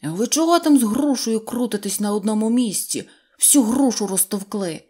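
A woman voicing a boastful, bossy little boy who shouts orders and brags. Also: mid-range voice, brisk, close to an everyday voice. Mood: bossy shouting. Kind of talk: audiobook character voice.

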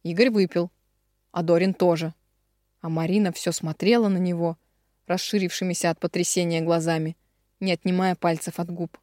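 A woman reading a novel aloud as an audiobook in a steady storytelling manner. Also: on the low side, moderate pace, dry recording, studio quality. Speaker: audiobook reader. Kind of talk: scripted narration.

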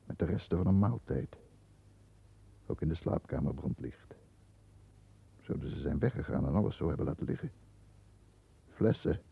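Deep, gravelly, tense lawyer. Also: male voice, lively intonation, warm tone, full character voice. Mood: tense, watchful. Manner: dramatic, deliberate, halting under strain. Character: London lawyer, tense, calculating, guilt-ridden brother narrating. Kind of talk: 1960s Dutch radio drama monologue, present-tense narration. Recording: dull lo-fi 1960s radio recording.

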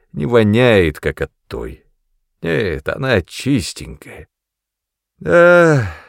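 A man voicing a brutal, drunken middle-aged father who mocks and threatens his son loudly. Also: on the high side, no echo, clean studio sound, pitched above the performer's own voice. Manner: mocking, menacing, loud.

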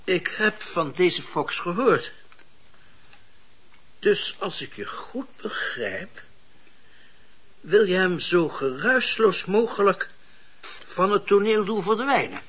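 An old judge in a radio drama, high and husky in voice. He is shrewd, cynical and scornful, lecturing deliberately with swooping intonation. The recording is rather dull. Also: big pitch swings, a bit bright, full character voice. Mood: calculating. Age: older. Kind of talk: radio play acting.

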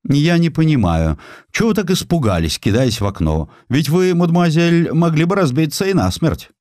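A man's voice: a little high, big pitch swings, moderate pace, darkish tone, dry recording, voice pushed up. A foolish male prosecutor played by a male narrator questions in a pompous, incredulous way. The voice is lifted well up and swoops about, in audiobook courtroom style, recorded very dry.

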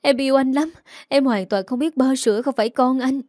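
A woman's voice: fairly high pitch, moderate pace, a little mellow, no echo, studio quality, close to an everyday voice. A woman voicing a young wife who is crying and begging, in an audio story. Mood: pleading. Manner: sobbing, begging. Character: young woman, tearful and pleading.

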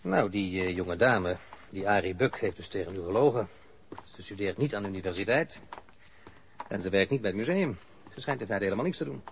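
Stern low-voiced police investigator. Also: male voice, animated, faint music behind. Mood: calm, dry. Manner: formal, measured, insistent. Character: stern, composed male police investigator, probing and dryly authoritative. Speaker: police interrogator. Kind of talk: radio drama acting. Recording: noisy archived radio drama recording.

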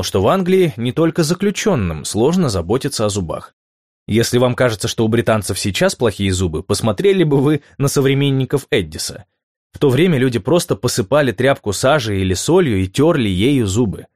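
A man narrating nonfiction in a measured, clear storytelling manner, posing rhetorical questions along the way. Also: mid-range voice, big pitch swings, a little mellow, no room sound, clean studio sound. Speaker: audiobook narrator.

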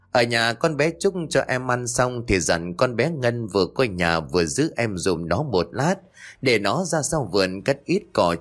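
A male storyteller reads a ghost story aloud in a steady, even manner. His voice sits a little low.

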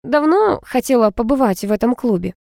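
A woman's voice: on the high side, very animated, brisk, gravelly, no room sound, voice pushed up. A woman voicing a moody, popular young woman student who snaps curtly, in a dry recording. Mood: teasing. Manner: sharp, curt.

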